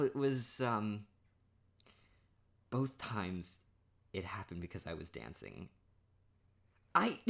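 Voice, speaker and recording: A man doing a soft, playful boyfriend ASMR monologue, self-mocking and laughing often. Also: on the low side.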